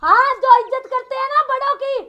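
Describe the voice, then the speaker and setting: A performer voicing a nagging, quarrelsome old mother-in-law in a cartoon skit, in a high squeaky voice. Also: fairly even intonation, normal speed, muffled recording. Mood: scolding.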